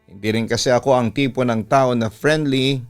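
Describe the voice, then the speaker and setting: A man's voice: medium pitch, steady tone, moderate pace, smooth. A man reads a first-person story as dramatic scripted narration, like a radio storytelling host. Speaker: radio storytelling host reading a listener's letter. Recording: background music under the voice. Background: music.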